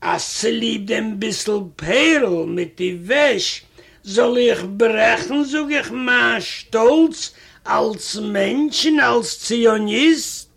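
Guy reading a funny story out loud, really high voice, slow and unhurried. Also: vocal fry. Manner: chatty, repeats "I say" as he retells a quarrel. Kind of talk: reading a comic first-person story aloud.

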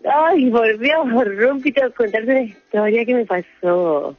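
A Chilean woman phones in to a radio program and tells a long, wandering story, laughing often as she goes. Her voice is husky and sits in a middle pitch. The sound is dull and muffled, with faint music playing behind her. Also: expressive, a little slow, dry recording. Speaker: caller. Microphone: phone call.

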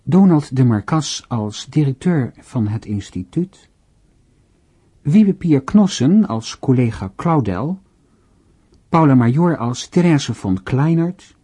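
Slow, mellow male radio announcer. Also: medium pitch, animated, husky. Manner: measured, formal. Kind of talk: scripted closing credits reading.

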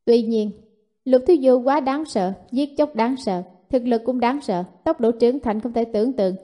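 A woman voicing an aged male elder in blue robes who speaks in a slow, measured murmur. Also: fairly high pitch, mellow, close to an everyday voice. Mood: grave.

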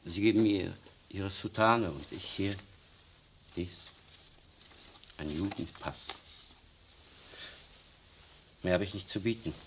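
A man's voice: sits low, measured pace, slight background noise. An actor playing a defiant, bitter young Jewish man in hiding, speaking intensely in a 1960s radio drama. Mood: grim. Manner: intense, declamatory.

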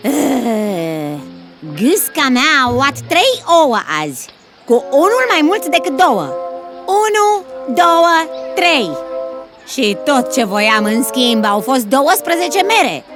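A woman voicing a grumpy woman who owns a goose, complaining and quick to snap. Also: high-pitched, sing-song. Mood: grumbling. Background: background music.

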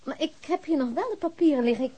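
An actress playing a composed, businesslike office secretary in a radio drama, formal and matter-of-fact. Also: female voice, sits high, lively intonation, fast, mellow, a little hiss or hum. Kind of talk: Dutch radio drama dialogue.

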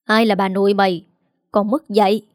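A woman's voice: medium pitch, little pitch movement, normal speed, no room sound, clean studio sound, close to an everyday voice. A woman doing a harsh old mother-in-law. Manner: cutting and contemptuous.

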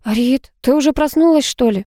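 A woman voicing a gentle, curious middle-aged mother who speaks hesitantly. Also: sits high, moderate pace, no echo, studio quality, pitched above the performer's own voice.

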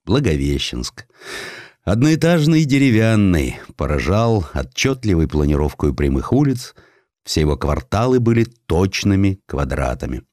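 Male audiobook narrator, deep voice, very animated intonation, theatrical, wry, dry studio sound. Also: normal speed, dry recording. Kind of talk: dramatic scripted narration of a historical sketch.

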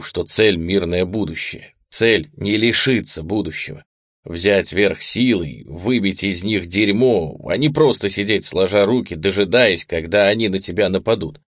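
Man doing a gruff, crude ex-analyst, very deep voice, scornful, dry recording. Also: dry recording. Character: bitter, crude ex-government male analyst. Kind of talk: audiobook reading.

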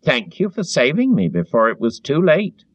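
A man voicing a frightened, servile middle-aged man who pleads eagerly in a high, strained voice. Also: sing-song, normal speed, no room sound. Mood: feverish. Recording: dull dry lo-fi recording.

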